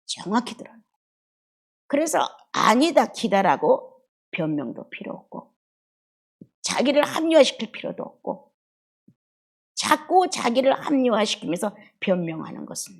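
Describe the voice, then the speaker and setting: A middle-aged woman preaching a sermon with deep feeling, her voice jumping from loud outbursts down to hushed murmurs. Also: very animated, normal speed, gravelly, long pauses, husky. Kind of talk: expository sermon.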